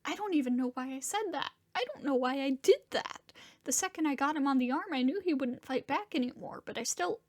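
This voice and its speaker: Woman as distraught young monstrous man, higher-pitched voice. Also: darkish tone. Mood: guilty, anguished. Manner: halting, profane, conversational confession. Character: distraught young monstrous man Diego confessing a violent fight. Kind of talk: first-person dramatic fiction narration.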